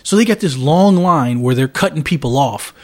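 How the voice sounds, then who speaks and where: A man's voice: a little high, animated, normal speed, darkish tone. A man co-hosting a podcast, telling a long story in casual chat, often repeating and restarting words as he retells what happened. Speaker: podcast co-host.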